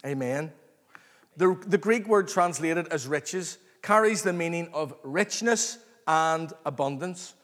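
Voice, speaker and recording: A man preaching an expository sermon to a congregation, earnest, excited and emphatic, repeating phrases and calling for response. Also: fairly high pitch, slow. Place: large reverberant room, live before a congregation. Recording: long hall reverb.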